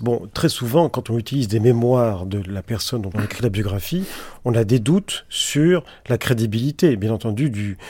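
A male radio host moderating a debate, posing long, measured questions to his guests. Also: medium pitch, darkish tone, husky, no room sound.

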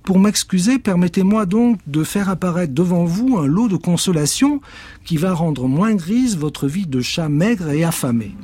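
A man's voice: sits high, animated, moderate pace, mellow, breathy edge, no echo, voice pushed up. Man doing a fussy bumbling witch. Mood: chanting. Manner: polite, fussy, chanting spells. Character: flustered, bumbling good-hearted witch.

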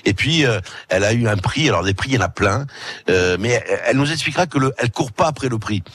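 A male radio host runs a live interview. His voice is husky and mid-pitched. He asks friendly, leading questions. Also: expressive, fast, a bit bright.

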